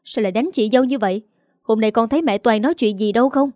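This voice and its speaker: A woman's voice: on the high side, fast, warm tone, no room sound, clean studio sound, lightly acted. A woman voicing an indignant, outspoken younger daughter with a scornful manner. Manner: scornful and pleading.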